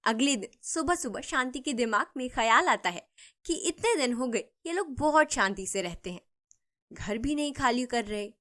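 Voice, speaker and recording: A woman narrates an animated storybook in a steady, scripted telling. Her voice sits a little higher than usual for a woman. The delivery is even and clear. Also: normal speed.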